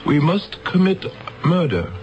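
An actor playing a cold, implacable authority figure in a solemn, deliberate radio drama style. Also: male voice, high voice, big pitch swings, darkish tone, soft background music. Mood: cold, insistent. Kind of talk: 1970s radio drama acting. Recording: dull old radio broadcast.

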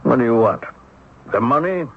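An actor playing a stiff, haughty bank executive in a radio mystery drama, formal, cold and clipped. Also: male voice, mid-range voice, animated, moderate pace, a little hiss or hum, close to an everyday voice. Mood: guarded, disdainful. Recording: muffled old radio broadcast.

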